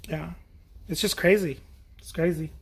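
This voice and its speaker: A man's voice: a little high, fairly even intonation, a little slow, creaky, husky. A man chatting casually while he paints on a livestream, rambling, repeating his phrases and swearing now and then. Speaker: painter streaming a demo.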